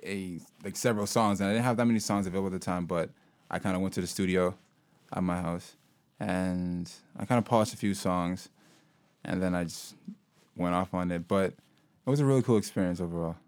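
A young man with a very low voice talks loosely and unhurriedly, circling his thoughts with fillers and restarts. He is a local hip-hop artist from Sudan being interviewed. The recording is dry and close. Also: fairly quick, no echo. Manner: relaxed, rambling, lots of fillers and restarts. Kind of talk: casual interview conversation.

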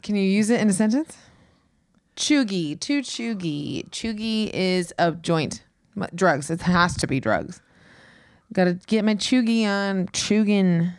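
A woman's voice: mid-range voice, animated, measured pace, no room sound, studio quality. A woman co-hosting a casual podcast chat, playfully guessing at slang words. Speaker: podcast co-host.

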